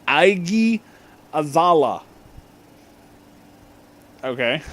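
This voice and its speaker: A man reading fan fiction aloud as a comedic dramatic reading, pronouncing the misspellings just as written and adding asides. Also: on the high side. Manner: deliberately reads misspellings as written.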